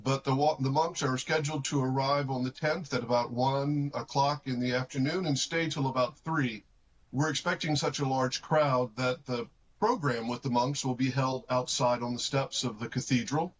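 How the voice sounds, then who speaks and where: A man speaking for a cathedral in a live interview, with a middle-pitched voice. He lays out plans in a calm, measured way, with the odd filler. A faint hiss sits behind him. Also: low-quality recording. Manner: measured and explanatory, with occasional fillers. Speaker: cathedral representative.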